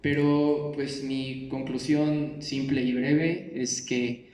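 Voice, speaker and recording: A man, speaking at a press conference in a relaxed, unhurried, opinionated way. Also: medium pitch, slight background noise. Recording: echoey room, from a distance.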